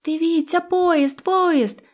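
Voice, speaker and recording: A woman's voice: very animated, fairly quick, darkish tone. A woman voicing a small girl who scolds and soothes the boys, in a storybook reading. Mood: excited. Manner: chiding, high and eager. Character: bossy, scolding little girl, Knopochka.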